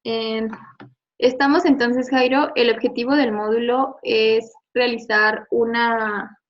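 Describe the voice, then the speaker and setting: Patient woman teacher reviewing a lesson, slightly high voice, dull recording. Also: steady tone, slow pace. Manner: patient, explains with examples and checks with "¿no?". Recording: dull lo-fi audio.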